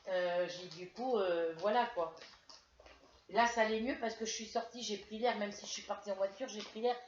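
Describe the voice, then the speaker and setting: A woman with a medium-pitched, fairly even voice talks at normal speed, with a little hiss or hum in the background. She's a French crafts vlogger, sick with a headache, hesitantly rambling through a story in a casual chat to camera, recorded lo-fi at home in a roomy, dull space.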